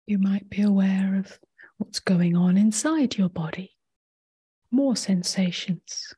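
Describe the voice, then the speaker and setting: A woman meditation teacher leading a guided meditation in a soft, breathy near-whisper, gently and with long pauses. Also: medium pitch.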